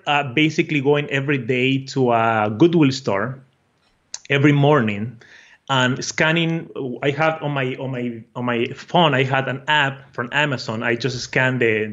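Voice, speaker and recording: Man, Brazilian Portuguese accent, non-native English, eager, halting restarts, dull lo-fi sound. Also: medium pitch, fairly bright tone. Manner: eager, repeats words while searching for phrasing. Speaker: guest, online course creator. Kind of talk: casual interview talk.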